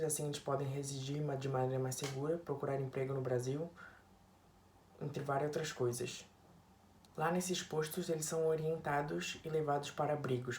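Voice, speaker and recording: A woman's voice: low-pitched, darkish tone. A woman reading a prepared presentation, stopping on slipped words and starting them again. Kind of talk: read-out presentation. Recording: distant, echoey room with faint noise.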